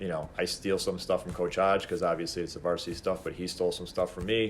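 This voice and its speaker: Intonation stays fairly even as the words rush out at a very fast pace. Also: man. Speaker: JV basketball coach. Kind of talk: interview. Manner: loud.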